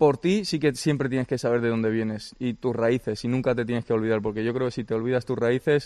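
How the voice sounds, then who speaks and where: Over a quiet background, a man talks at a fairly quick pace in a medium pitch. His tone is dark and mellow, with fairly even intonation. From Georgia, raised in Spain from age 7-8. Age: 20s. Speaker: judo athlete. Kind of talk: interview. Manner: halting, with many repetitions.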